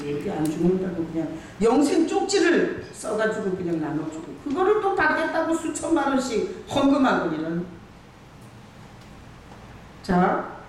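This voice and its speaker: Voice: medium pitch, darkish tone. Emphatic pastor mid-sermon, very roomy church sound from a distant mic, faint hiss. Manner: emphatic, asks the congregation rhetorical questions. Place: church sanctuary.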